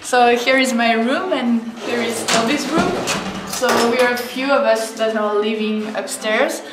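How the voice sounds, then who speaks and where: Young woman, English, friendly, fairly high voice, echoey room over loud music. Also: steady tone, measured pace. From France. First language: French. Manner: friendly, simple non-native English. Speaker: European volunteer. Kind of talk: casual home tour and reflection. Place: shared house indoors.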